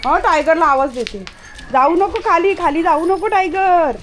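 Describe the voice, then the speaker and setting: A woman's voice: very high-pitched, normal speed, fairly bright tone. A woman vlogging outdoors, coaxing and scolding her pet dogs in casual, chatty talk. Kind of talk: casual talk to pets and neighbors.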